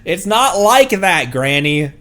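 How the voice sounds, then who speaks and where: A man's voice: high voice, sing-song, slow, fairly bright tone, slight background noise. A man giving casual live stream commentary on a game, musing in a slangy way with some mild swearing. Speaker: streamer reacting to game voice lines. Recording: faint music behind.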